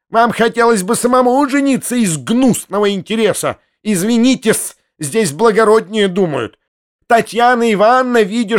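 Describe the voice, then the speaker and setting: A man's voice: sits high, voice pushed up, close to an everyday voice. A man reading an audiobook, voicing a furious middle-aged noblewoman who scolds and shrieks. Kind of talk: audiobook character voice.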